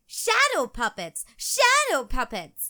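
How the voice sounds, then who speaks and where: A woman's squeaky put-on character voice, high-pitched and at a fairly slow pace. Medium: read story. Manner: excited, bouncy.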